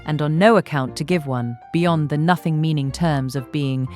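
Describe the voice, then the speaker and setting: A woman narrating a classic novel audiobook in a measured, articulate, literary style. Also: low voice, darkish tone, soft background music.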